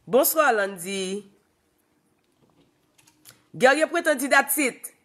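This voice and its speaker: A woman's voice: high-pitched, lively intonation, takes it slowly, a bit bright. A woman in her thirties with a Haitian accent, hosting a casual live stream from a small room and reading viewers' comments aloud. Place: small indoor room before curtains. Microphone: phone camera at arm's length.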